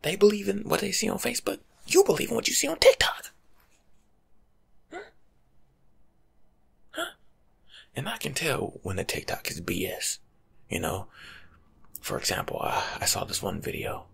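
A young American man giving soft-spoken ASMR advice in a slangy, teasing, lecturing way, often slipping into a breathy whisper. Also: a little high, big pitch swings, normal speed, long pauses. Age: young adult. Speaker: ASMR creator playing a life coach. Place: small home room, seated indoors.

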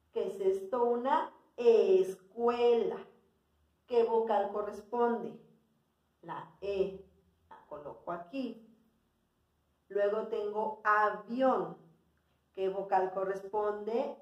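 A woman teaching a preschool class, speaking slowly and clearly and sounding out words for young children. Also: medium pitch, a little mellow. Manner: patient, sounding out words and checking in with "¿sí?". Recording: roomy sound from away from the mic.

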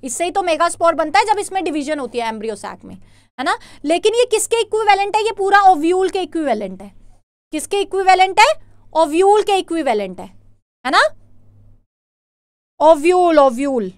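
A woman's voice: very high voice, very animated, normal speed, dry recording. A woman teaching a live online biology class. She reads students' answers aloud, praises them, and explains in Hindi with English terms.

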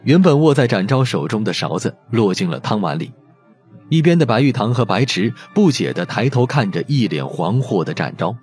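A man's voice: on the low side, very animated, moderate pace, a little mellow, faint music behind. A man narrating a scripted audiobook story expressively.

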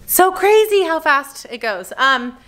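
Young woman, teacher vlogger, tired and pregnant, chatty and frank, bright voice. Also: high voice, very animated, unhurried. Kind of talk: casual vlog chat. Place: classroom.

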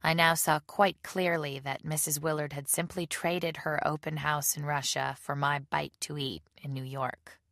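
A woman reading a novel aloud as a measured, subdued first-person audiobook narration. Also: deep voice, steady tone, vocal fry, fairly bright tone, no room sound, clean studio sound. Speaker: audiobook reader.

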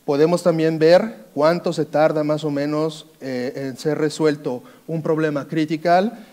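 A man with an Italian accent giving a conference talk on a dark stage, hesitant, with many fillers and restarts. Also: fairly high pitch, steady tone, unhurried. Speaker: conference speaker, sales engineer. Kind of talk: conference presentation.

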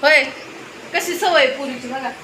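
A woman vlogger chatting at home, telling an animated story and scolding in a casual family vlog. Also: high voice, measured pace. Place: home indoors. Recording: echoey home room with noise.

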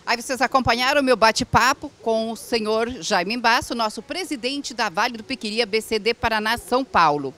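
A woman's voice: a little high, fairly quick, few pauses, sharp tone. A middle-aged woman, hosting a variety show, chatty and affirming while interviewing at an indoor event stand on a handheld mic.

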